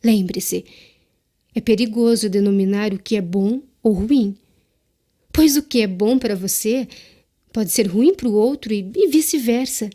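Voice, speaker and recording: An actress playing Death as a mysterious, tender woman in a radio drama, speaking in a solemn, measured, exhorting way. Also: mid-range voice, mellow, natural voice. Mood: earnest, urging.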